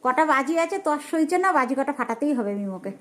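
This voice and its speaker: A woman's voice: sits high, lively intonation, fairly quick, a bit bright. A woman, a mother and family vlogger, chatting casually as she narrates meals and chores around her home. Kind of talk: casual home vlog chat.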